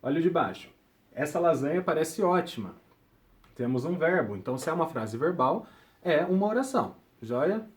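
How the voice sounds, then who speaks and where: A young man teaching a recorded grammar lesson, ending nearly every point with a quick check-in question to his students. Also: fairly high pitch, very animated. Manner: ends points with check-in tags like "tudo bem?".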